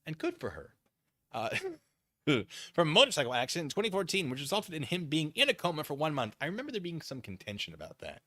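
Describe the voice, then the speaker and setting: A man with a bright, forceful voice reads a document aloud and comments on it off the cuff. His delivery swings widely in pitch, moving theatrically between reading and sarcastic muttered asides. The sound is close and dry. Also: wildly swooping pitch, fast talker, dry recording. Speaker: commentary streamer, channel host.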